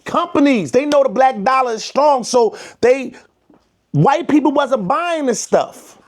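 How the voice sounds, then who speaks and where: A man's voice: extremely high pitch, expressive, a little slow. A man from the United States with an African American Vernacular accent, giving emphatic, preachy commentary to the camera with lots of slang. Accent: African American Vernacular English. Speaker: vlogger.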